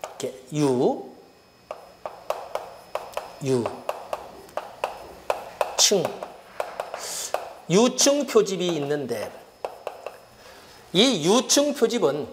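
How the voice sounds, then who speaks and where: Animated, high-pitched male lecturer. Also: extremely slow, long pauses, background noise. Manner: animated, repeats key terms while writing on the board. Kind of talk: exam-prep lecture.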